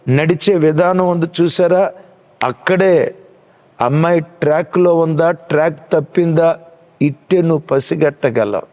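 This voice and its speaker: Man, pastor, sermon, storytelling, rhetorical questions, fairly high pitch. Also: a little mellow.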